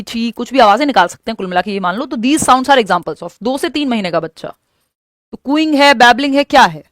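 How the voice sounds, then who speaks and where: A woman teacher working through exam questions, explaining in Hindi mixed with English terms and reading questions out slowly. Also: high-pitched, no echo, studio quality. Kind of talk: exam-prep lesson.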